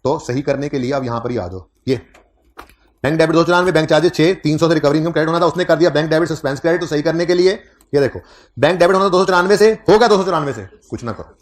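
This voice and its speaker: A man's voice: fairly high pitch, rapid-fire. A man giving a classroom accounting lecture, conversational, teasing his students and repeating key points.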